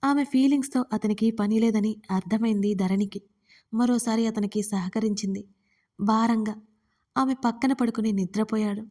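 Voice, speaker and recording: A woman reads a romantic audio story aloud in scripted narration. Her voice is fairly high yet mellow and soft in tone. The delivery stays steady and even. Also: normal speed.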